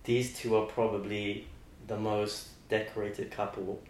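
A podcast host in his 20s speaks in a very deep voice kept to a flat, narrow range at a measured pace. During a casual interview chat he rambles amiably and frequently restarts his sentences, with roomy echo and faint background noise on the recording.

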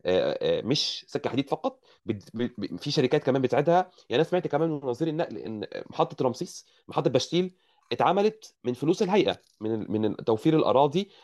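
A man's voice: medium pitch, sing-song, very fast, darkish tone. A man with an Egyptian Arabic accent, a guest engineer explaining at length in an interview, often restarting his words. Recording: muffled lo-fi audio.

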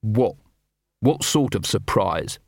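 A man's voice: lowish voice, expressive, takes it slowly, no echo. A man playing a weary watch captain who speaks in a dry, exasperated way. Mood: dry, puzzled.

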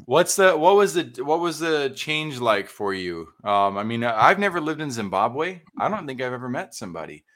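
A man's voice: medium pitch, sing-song, normal speed, few pauses, a bit bright. A man hosting an interview, asking curious follow-up questions in a conversational way. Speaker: podcast host, interviewer.

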